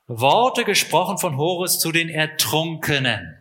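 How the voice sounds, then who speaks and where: Bright-voiced male interpreter. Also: a little high, expressive. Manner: quick, matter-of-fact rendering with filler sounds. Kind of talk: live consecutive interpreting.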